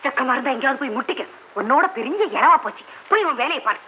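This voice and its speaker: An actress playing a sharp-tongued, middle-aged mother of the groom who scolds and makes demands. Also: high-pitched, animated, quick pace, background noise. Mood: scolding.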